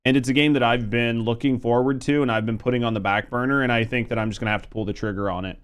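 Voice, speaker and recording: A man's voice: medium pitch, fairly even intonation, fast, clear, resonant tone. A man giving casual reaction commentary as a host, talking conversationally and thinking aloud.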